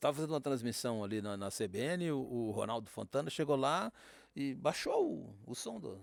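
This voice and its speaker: His intonation is lively. A man speaks at a medium pitch and a moderate pace. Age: 60s. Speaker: football radio commentator. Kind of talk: casual chat. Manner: loud.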